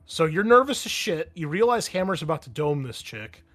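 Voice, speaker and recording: A man's voice: on the high side, big pitch swings, brisk, fairly bright tone. A man running a tabletop roleplaying game, explaining action and rules in a casual, profane way. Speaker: game master.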